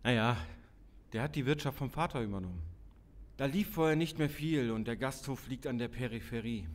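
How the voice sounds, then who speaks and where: A man's voice: mid-range voice, a little fast, close to an everyday voice. An actor playing a middle-aged policeman and worried father in an audio drama. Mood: conversational. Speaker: police officer in drug squad.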